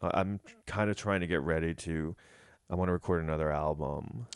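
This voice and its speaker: With a New York accent, a man speaks at a very deep, low pitch and a moderate pace. The background is quiet. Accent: Manhattan, sounds snobby. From Manhattan, New York City. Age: 40s. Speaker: stand-up comedian. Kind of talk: casual chat.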